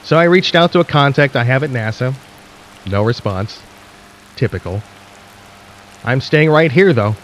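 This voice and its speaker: An actor playing a skeptical, uneasy radio host in a radio drama, talking wryly and conspiratorially with dramatic pauses. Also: male voice, medium pitch, expressive, a little hiss or hum, lightly acted. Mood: sardonic, worried. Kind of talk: radio drama broadcast monologue.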